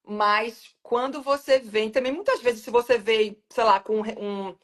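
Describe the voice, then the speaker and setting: A woman's voice: a little high, steady tone, a little slow, fairly bright tone. Affirming woman interview host. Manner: affirming, builds on the guest's points with "né?". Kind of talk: conversational interview.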